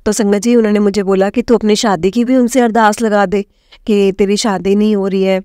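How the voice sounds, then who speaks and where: A young woman from Himachal Pradesh telling her personal testimony to a congregation, addressing them warmly and mixing in English words. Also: medium pitch, steady tone, fairly quick, no echo, clean studio sound. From Himachal Pradesh, India. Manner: addresses listeners as "sangat ji", mixes in English words. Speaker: devotee sharing a testimony.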